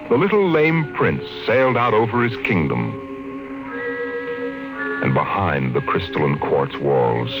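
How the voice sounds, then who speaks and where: An American man narrating a 1950s radio drama in a measured, theatrical manner as a vivid storyteller. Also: low voice, exaggerated voice, rough recording. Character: omniscient storyteller, grave and vivid. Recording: old radio broadcast recording. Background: loud dramatic music.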